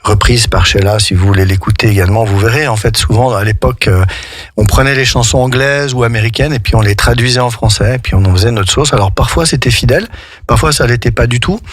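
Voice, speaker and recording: Husky-voiced man teaching on radio. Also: medium pitch, fast, no echo. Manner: chatty, explanatory, with many hesitations. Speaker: radio host and English teacher. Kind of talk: radio language lesson. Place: radio studio.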